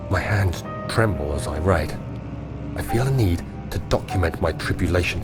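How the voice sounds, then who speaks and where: A young English gentleman explorer in a horror game, earnest and anxious. His low voice moves expressively through literate, measured phrases, with music behind him. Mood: troubled, uneasy. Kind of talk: dramatic diary narration in a video game.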